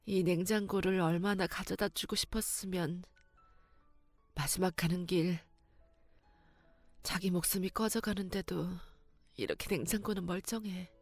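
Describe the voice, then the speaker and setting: A woman's voice: steady tone, measured pace, long pauses, dry recording, faint music behind. A woman voicing a grieving young widowed mother who wails and sobs through her words, recorded close and dry. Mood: quiet sorrow. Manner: wailing, shrill, crying through the words.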